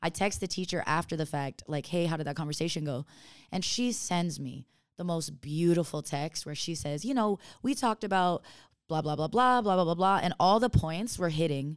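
A woman with a plain, everyday voice speaks at fairly low pitch and a moderate pace with lively intonation, on a very clean recording with a silent background. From Los Angeles (East LA, Boyle Heights), Mexican-American community. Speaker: teacher. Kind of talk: casual chat.

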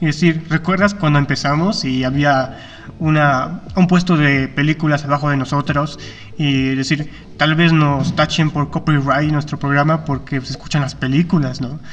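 Music plays in the background as a man speaks. His pitch is fairly high and his intonation fairly even. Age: 20s. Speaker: podcast co-host. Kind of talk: casual chat.

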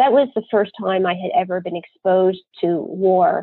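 In a Canadian accent, a woman talks at medium pitch. She has a normal speaking voice and a moderate pace. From Canada. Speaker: humanitarian doctor. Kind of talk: interview.

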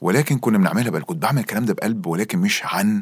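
Here a man speaks with an Egyptian accent. His pace is fairly quick. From Egypt (Cairo, family of Levantine descent). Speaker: church youth minister and social media speaker. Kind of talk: casual chat. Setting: studio.

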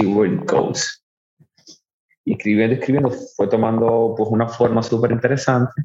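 A man talks at a moderate pace with a medium pitch. He has an ordinary speaking voice. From Dominican Republic, La Romana. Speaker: physician and gym owner. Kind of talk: casual interview.

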